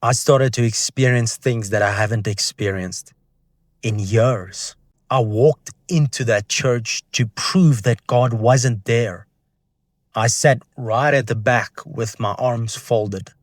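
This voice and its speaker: A young adult man sharing a personal Christian testimony, speaking earnestly and reflectively in halting phrases. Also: mid-range voice, no room sound, clean studio sound.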